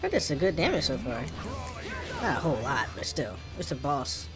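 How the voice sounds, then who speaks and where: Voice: mid-range voice, big pitch swings, normal speed, music in the background. A gaming streamer with an African American English accent, giving casual gameplay commentary.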